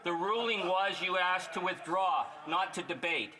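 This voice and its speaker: A man's voice: high-pitched, normal speed, pushed and bright. A man with a Canadian accent speaking as a member of parliament in a combative, indignant, accusatory way.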